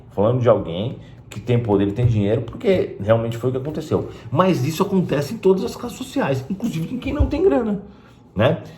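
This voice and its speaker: Man, lively swinging pitch, blunt and emphatic, roomy echo. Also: slight background noise. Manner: blunt and emphatic, with frequent "né?" asides. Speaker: spiritist video host. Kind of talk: casual talk to camera.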